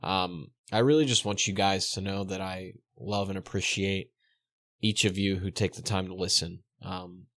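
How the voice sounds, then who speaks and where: A man's voice: low voice, steady tone, normal speed, a bit bright, dry recording, clean studio sound. A man running a tabletop game as game master and podcast host, laughing often and swearing casually.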